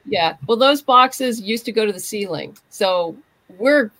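A woman with a slightly high voice talks as a guest on a podcast. The sound is dry and close, and her delivery is plain casual conversation over a video call. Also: animated, measured pace, a bit bright, dry recording, rough recording. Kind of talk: casual chat.

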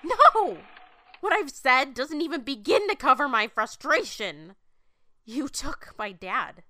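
A young woman rails against fate in raw fury. Her voice is high and bright and swings widely. The sound is dry and close. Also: lively intonation, measured pace, no room sound, heavily acted. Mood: furious. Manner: defiant, shouting, accusing. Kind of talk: TV drama acting.

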